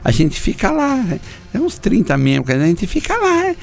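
A man's voice: high voice, huge pitch swings, normal speed, vocal fry, pitched above the performer's own voice, heavily acted. A man voicing a breezy, self-satisfied member of a tiny church. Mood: smug.

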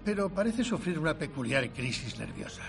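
A man's voice: on the high side, big pitch swings, brisk, very noisy. An older man playing an eccentric, theatrical aristocrat who rambles, in a film dub. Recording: film soundtrack with music under.

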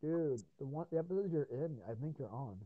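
He's the host of a podcast, his voice on the high side with lively intonation and a brisk pace. Tired after hours of talk, he keeps rambling, swearing and laughing in casual conversation. The recording is dry but tinny, as if over a phone.

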